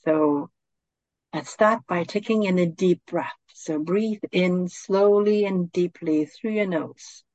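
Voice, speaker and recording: A woman leading a guided meditation, speaking in a calm, soothing, gently instructing manner. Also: on the low side, takes it slowly, dry recording, lo-fi sound.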